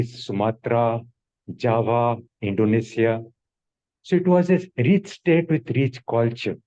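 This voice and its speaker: A man's voice: medium pitch, warm tone, highs cut off. Earnest Indian man with an Odia accent. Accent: Odia-influenced Indian English. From Odisha, eastern India. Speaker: club member giving a short speech. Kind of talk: impromptu speech.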